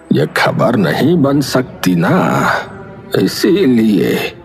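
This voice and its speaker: A man playing a weary, resigned older village headman in a dramatized story, halting and fatherly. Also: mid-range voice, wildly swooping pitch, heavily acted. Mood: sorrowful, resigned. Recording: music under the voice.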